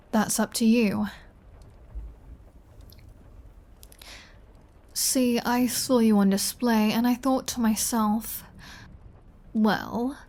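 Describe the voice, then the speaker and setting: A woman's voice: fairly high pitch, a little mellow. A woman playing a flirty, sardonic female vampire in an intimate ASMR roleplay, with a teasing, dry and bossy manner.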